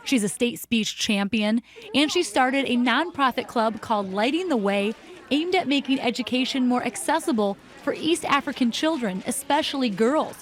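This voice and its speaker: Higher-pitched American woman reporting news. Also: expressive, moderate pace. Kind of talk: scripted news narration.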